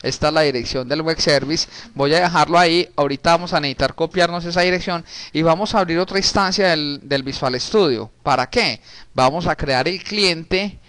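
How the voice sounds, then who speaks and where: Male instructor, 30s, easygoing classroom delivery, slightly high voice, clean dry close sound. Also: a little fast, a bit bright, dry recording. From Colombia. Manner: casual, talks while typing, frequent restarts and diminutives. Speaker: programming teacher. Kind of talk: recorded screen-share coding lesson.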